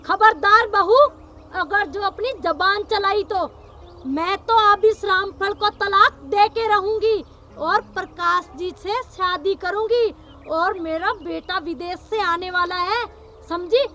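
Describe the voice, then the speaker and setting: Actress as an older rural headwoman mother-in-law, domineering and scolding, very high-pitched. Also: slow pace, pushed and bright, a little hiss or hum, exaggerated voice.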